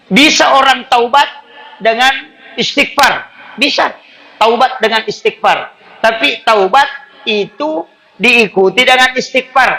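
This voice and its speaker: A man's voice: high-pitched, pushed and bright, low-quality recording. A man preaching with a Buginese Indonesian accent, in a chatty, joking way, laughing between his points. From South Sulawesi, Indonesia. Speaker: Islamic preacher. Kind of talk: sermon. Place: recorded for a local radio station.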